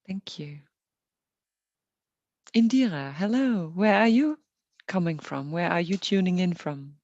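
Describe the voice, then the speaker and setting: A woman hosting an online meditation session, welcoming people in a gentle, unhurried and reassuring way. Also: on the low side, lively intonation, no room sound, dull audio. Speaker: meditation host. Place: online group call.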